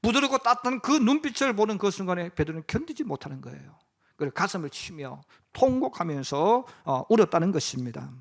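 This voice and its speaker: A man's voice: high-pitched, big pitch swings, a little fast, creaky. A middle-aged man preaching a sermon as pastor, acting out quoted lines in dramatic voices.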